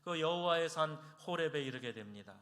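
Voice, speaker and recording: A man preaching a Sunday sermon as pastor, acting out quoted prayers and voices with big swings in pitch and loudness. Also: animated, normal speed. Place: church sanctuary.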